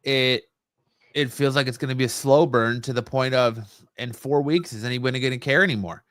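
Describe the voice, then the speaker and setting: A man's voice: medium pitch, moderate pace, fairly bright tone, no echo, studio quality. A man co-hosting a podcast in a casual sports discussion. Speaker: wrestling podcast co-host.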